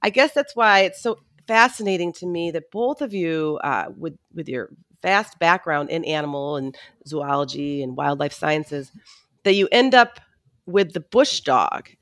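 Upbeat woman podcast host, mid-pitched, dry close mic, rambling questions. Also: dry recording. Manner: upbeat, chatty, asks long rambling questions. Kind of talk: casual interview chat.

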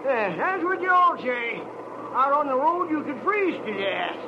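An actor playing a folksy, chatty old American gas station owner in a 1940s radio drama, full of caution. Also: male voice, very high voice, very animated, unhurried, heavily acted. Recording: muffled, noisy old radio recording.

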